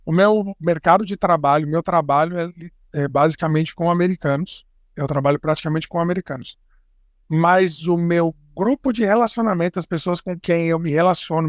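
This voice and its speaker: A Brazilian-accented man with a slightly higher-than-usual voice, talking as an interview guest. He explains in a relaxed, meandering way, with fillers and restarts. The recording is dry and close. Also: no echo. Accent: Brazilian Portuguese. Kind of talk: casual conversational interview.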